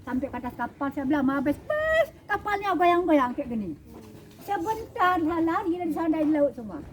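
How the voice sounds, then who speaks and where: An older woman telling what she saw as an eyewitness, animated and acting out the cries and calls of others. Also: very high-pitched, brisk, a little hiss or hum. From Aceh, Indonesia. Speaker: tsunami eyewitness speaking to visitors. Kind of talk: emotional eyewitness storytelling. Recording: crowd of listeners around. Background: crowd.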